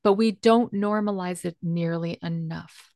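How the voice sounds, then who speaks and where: Woman, earnest, emphatic, gravelly voice, dry close sound. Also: fairly low pitch, fairly even intonation, measured pace, warm tone, dry recording. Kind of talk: candid conversation.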